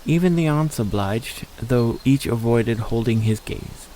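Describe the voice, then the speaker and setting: Male story narrator, mid-pitched voice. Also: lively intonation, measured pace, mellow, a little hiss or hum, poor audio.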